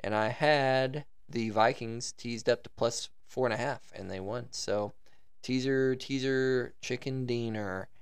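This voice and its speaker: A man's voice: medium pitch, unhurried, clean tone, dry recording, studio quality. A young man co-hosting a casual podcast, laid-back and wisecracking. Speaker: podcast co-host.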